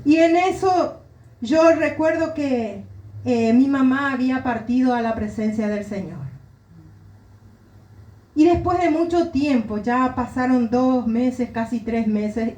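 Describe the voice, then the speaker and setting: A middle-aged woman pastor with an Argentine Spanish accent delivers a heartfelt sermon testimony. Her voice sits high and she takes her time. The sound is roomy, with a clear echo around her. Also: takes it slowly, darkish tone. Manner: earnest, emotional personal testimony.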